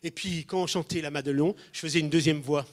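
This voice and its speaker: This preacher has a high-ish voice and talks fast, telling funny stories to his congregation. He's animated, acts out the voices of the people he quotes, and his loudness jumps around in this humorous sermon.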